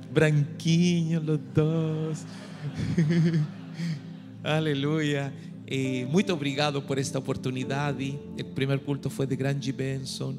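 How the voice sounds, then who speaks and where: A middle-aged man from Chile with a Chilean Spanish accent, preaching a humorous sermon into a handheld mic on a church stage and urging the crowd to shout. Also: medium pitch. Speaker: guest pastor. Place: large dark church stage. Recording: long hall reverb with music behind.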